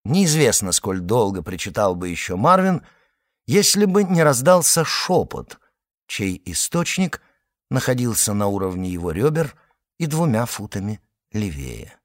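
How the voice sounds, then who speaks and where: Brief: male reader, theatrical delivery, pitch roams widely, dry close sound. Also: unhurried, dry recording. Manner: animated, theatrical. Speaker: narrator. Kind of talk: expressive audiobook reading.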